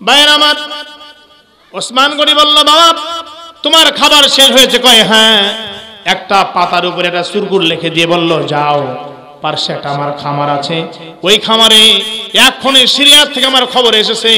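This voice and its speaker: A man preaching a sermon, telling a story with animated acted-out dialogue and urging the crowd to cheer. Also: high-pitched, moderate pace, pauses often, long reverb tail. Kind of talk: sermon storytelling at a religious gathering.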